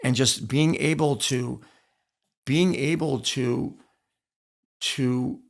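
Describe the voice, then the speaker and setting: Very slowly and with vocal fry, a middle-aged American man speaks in a steady, medium-pitched voice as a podcast guest. The author and former wrestler reflects on personal stories in an interview, earnest and emphatic, using repetition to add weight.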